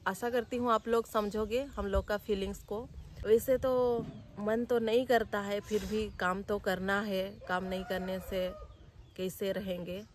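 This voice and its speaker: Soft-spoken grieving young woman. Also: medium pitch, little pitch movement, slight background noise. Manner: subdued, grieving, speaks slowly and softly. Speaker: vlogger. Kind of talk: personal vlog talk. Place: outdoors at family graves by home.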